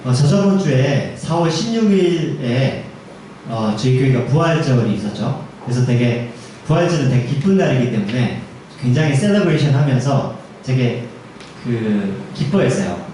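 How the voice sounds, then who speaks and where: A man's voice: mid-range voice, lively intonation, moderate pace, warm tone, a little hiss or hum. Man preaching in an echoey hall. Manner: conversational, asks the congregation questions. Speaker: junior pastor. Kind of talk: sermon. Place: church sanctuary. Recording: echoey church hall, mic far off.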